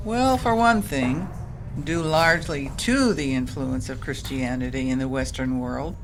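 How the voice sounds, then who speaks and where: An actress playing a kindly, patient Catholic sister in an audio drama, explaining things gently. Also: female voice, sits low, slight background noise, rough recording.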